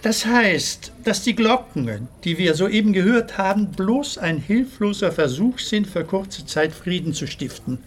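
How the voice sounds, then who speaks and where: A proud old plasterer, expressive, lively pitch, slightly higher voice. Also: male voice, a little slow, hardly any pauses. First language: Italian. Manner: earnest, expressive storyteller. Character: proud retired Italian plasterer, old man telling his father's war story. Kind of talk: radio play acting.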